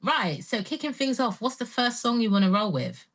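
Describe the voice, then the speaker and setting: A woman's voice: on the high side, very animated, normal speed. A woman co-hosting a music livestream, chatty and teasing. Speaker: co-host of a music review livestream. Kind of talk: casual chat.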